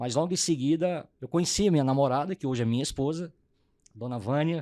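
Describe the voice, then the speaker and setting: A man's voice, dark and mellow in tone, moves at a fairly quick speed. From Brazil, João Pessoa (Northeast). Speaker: pharmaceutical account manager. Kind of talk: podcast interview.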